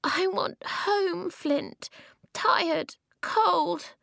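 A woman voicing a very young small child who whimpers in halting baby-talk words. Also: very high voice, creaky, fairly bright tone, dry recording, clean studio sound, voice pushed up, full character voice. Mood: whimpering.

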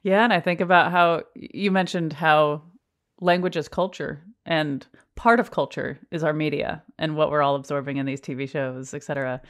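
Low-voiced woman hosting a chat. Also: steady tone, normal speed. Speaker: host. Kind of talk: podcast conversation.

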